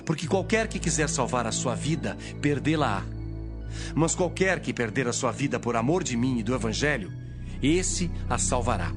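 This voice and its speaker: An actor playing Jesus as a stern, authoritative teacher, solemn and emphatic in a dramatised Bible reading. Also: male voice, mid-range voice, natural voice. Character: Jesus, stern authoritative male teacher rebuking and instructing followers. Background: music.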